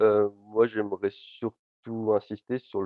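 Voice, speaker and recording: This man's pitch is fairly low. His intonation is monotone and flat. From northern France, Lille. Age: 20s. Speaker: mental performance coach. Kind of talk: interview.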